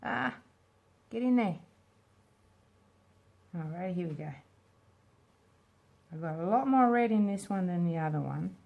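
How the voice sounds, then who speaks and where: Casting: female craft-tutorial host, lowish pitch, lightly raspy smoker's tone, casual think-aloud delivery. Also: expressive, moderate pace, long pauses, highs cut off. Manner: informal, thinking aloud as she works. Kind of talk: casual hands-on demo chat.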